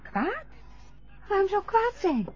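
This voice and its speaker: An actress playing a patient carer who gently talks an old man through getting dressed, in a radio drama. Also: very high-pitched, sing-song, a little slow, dull audio, music in the background, heavily acted. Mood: reassuring. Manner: soothing, coaxing, practical.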